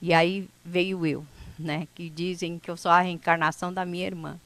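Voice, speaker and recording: A woman from the São Paulo coast whose first language is a Brazilian indigenous language, telling her life story to an audience in an unhurried, conversational way. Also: fairly low pitch, little pitch movement, no room sound. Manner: unhurried, conversational, with frequent "né?" tags and restarts. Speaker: indigenous speaker at an event.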